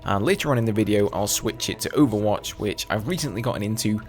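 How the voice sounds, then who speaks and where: A man in his twenties with an English accent, casually answering viewer questions over gameplay footage in a relaxed, chatty way. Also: on the low side, quick pace, faint music behind. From England. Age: 20s. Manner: chatty, relaxed, with fillers and asides. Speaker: gaming YouTuber.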